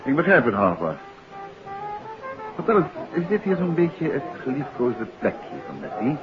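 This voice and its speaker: Man acting a gentleman detective, 1950s radio drama, animated intonation, genial, probing, muffled vintage sound. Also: medium pitch, normal speed, natural voice. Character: gentleman detective novelist, courteous, probing, married. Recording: muffled old radio recording, music behind.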